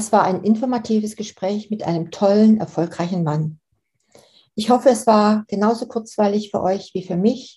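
A somewhat breathy woman with a fairly high pitch speaks at a moderate pace. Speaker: podcast host. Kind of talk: interview. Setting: video call from a near-empty flat. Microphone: laptop mic, voice sounds hollow.

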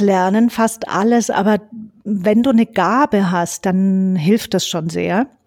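Recorded with a dry, close sound and no echo, a woman uses an ordinary speaking voice at a fairly slow pace with ordinary pitch variation. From Bavaria, near Munich. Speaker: coach and podcast co-host. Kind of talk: casual chat.

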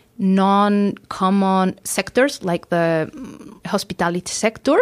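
In a Spanish accent, a woman with a medium-pitched voice speaks at a very slow pace on a very clean recording with a silent background. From Mexico. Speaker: environmental engineer and company founder. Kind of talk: interview.

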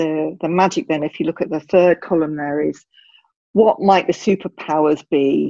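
A woman speaks at a moderate pace with ordinary pitch variation in an unremarkable speaking voice. The sound is dry and close, with no echo. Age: 60s. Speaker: neurodiversity coach. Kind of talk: interview.

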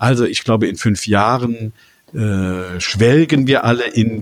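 An ordinary speaking voice comes through with a dry, close sound and no echo. The pace is fairly slow, with ordinary pitch variation. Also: man. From Saarland, Germany (Neunkirchen). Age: 60s. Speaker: government IT manager. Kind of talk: casual chat. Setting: remote call, audio only.

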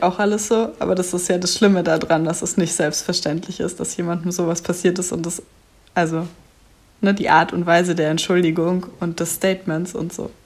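At a moderate pace, a woman talks in a fairly low voice with monotone, flat intonation. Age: 20s. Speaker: newspaper editor and podcast host. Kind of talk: casual chat. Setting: video call from home.

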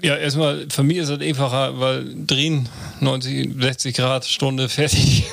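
A man speaks very slowly with fairly even intonation over noticeable background noise. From northern Emsland, Germany. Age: 30s. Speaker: gerontologist and researcher. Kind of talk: interview.

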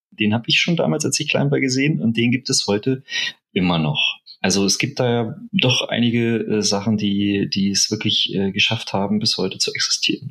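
A plain, everyday voice, with very even loudness, lively intonation and a moderate pace. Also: man, medium pitch for a man. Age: 30s. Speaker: podcast host. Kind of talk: casual chat.

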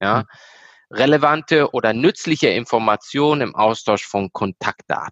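Over a quiet background with a dry, close sound and no echo, a man of medium pitch speaks at a fairly slow pace with ordinary variation and long, frequent pauses. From Italy. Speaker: sales professional. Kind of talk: podcast interview.

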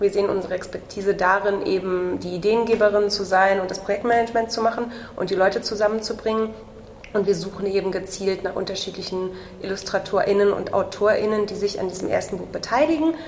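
Amid noticeable background noise, a woman talks very fast at medium pitch with fairly even intonation. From Cologne area, Germany. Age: 30s. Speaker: children's book publisher founder, education project manager. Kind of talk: casual interview.

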